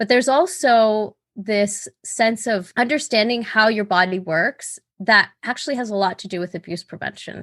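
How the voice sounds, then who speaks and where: A woman with a fairly high pitch and an ordinary speaking voice talks with lively intonation and big swings in loudness. The background is quiet. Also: moderate pace. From New York, immigrant family. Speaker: consent educator. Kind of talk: podcast interview.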